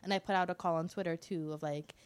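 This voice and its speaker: A woman's voice: on the low side, fairly even intonation, fast, clear, resonant tone. A woman with a Toronto accent in casual chat, talking in a playful, emphatic, slangy way.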